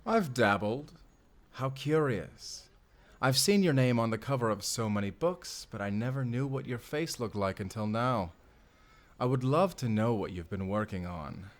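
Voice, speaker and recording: A man playing a suave, menacing fantasy villain in an audio drama, speaking with theatrical, deliberate politeness and command. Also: medium pitch, lively intonation, close to an everyday voice. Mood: sly, intrigued. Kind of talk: audio roleplay acting.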